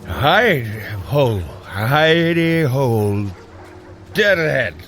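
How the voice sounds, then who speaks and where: An actor playing a brave, noble but groggy warrior thunder god in a dramatic audio adventure, slurring in grand old-fashioned phrases. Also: male voice, mid-range voice, big pitch swings, drawn-out words, fairly bright tone, faint music behind, exaggerated voice. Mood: giddy, drowsy.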